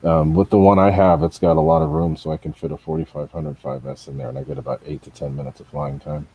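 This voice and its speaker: Low husky man chatting casually. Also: level tone, fast talker, phone-quality sound. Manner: thinks aloud with many ums and uhs. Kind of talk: casual chat.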